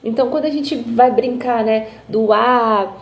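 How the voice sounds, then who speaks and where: On a phone livestream, a woman music therapist with a Brazilian Portuguese accent lectures in an explanatory style at normal speed. Her voice is on the high side and warm, and she demonstrates intonations aloud while tacking small checks onto her sentences.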